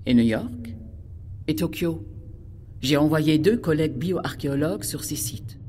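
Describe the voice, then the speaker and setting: A woman's voice: sits low, a little slow, warm tone, a little hiss or hum. An actress playing an earnest, idealistic female scientist from a future planet in an audio drama, questioning sincerely and with some hesitation. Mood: curious. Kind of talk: audio fiction dialogue.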